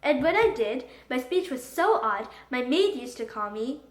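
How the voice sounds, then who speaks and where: A woman reading a children's book aloud in an expressive, dramatic storytelling manner. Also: high-pitched, normal speed. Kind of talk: animated storybook narration. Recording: echoey room.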